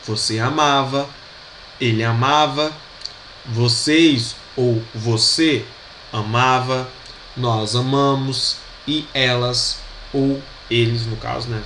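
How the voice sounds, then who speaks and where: His voice is mid-range, bright and pushed: a Brazilian Portuguese–accented man giving a video lesson on French grammar. He patiently says each pronunciation again and checks in often with students. The recording has roomy echo and a faint hum.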